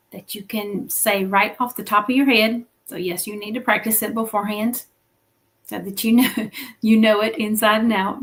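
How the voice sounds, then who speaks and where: A middle-aged woman coaching viewers through a weekly business livestream, her medium-pitched voice carrying a gravelly fry. She talks directly to the audience and keeps checking in with them as she teaches. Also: fairly bright tone. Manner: coaching, checks in with repeated "okay?" and "right?".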